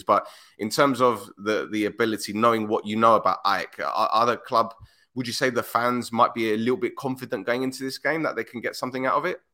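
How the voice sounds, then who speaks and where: A man's voice: mid-range voice, bright, forceful tone. A man interviewing a guest about football, chatty and informal, rewording his questions as he goes. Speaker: interviewer, host.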